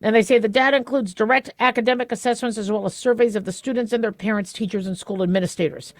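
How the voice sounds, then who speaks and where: A woman's voice: fairly high pitch, steady tone, quick pace, dry recording. A middle-aged American woman hosting talk radio, with a lisp that slurs her s sounds and an occasional stutter. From southwestern United States. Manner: occasional stutter, stumbling over words. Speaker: radio talk show host. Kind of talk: casual talk radio commentary on a news article.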